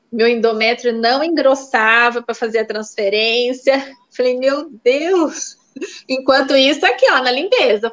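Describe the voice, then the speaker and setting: A woman guest telling her own story in a casual chat, animated and acting out the voices of people she quotes, on a dull lo-fi recording. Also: fairly high pitch. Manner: animated, acts out quoted dialogue. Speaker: interview guest sharing her fertility story.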